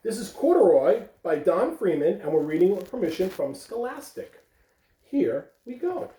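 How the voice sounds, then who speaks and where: A woman giving school morning announcements and reading a picture book aloud to young listeners, in a gentle storytelling way. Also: on the low side, very animated, moderate pace, echoey room, far from the mic, low-quality recording. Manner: gentle storytelling, coaxing a child to look.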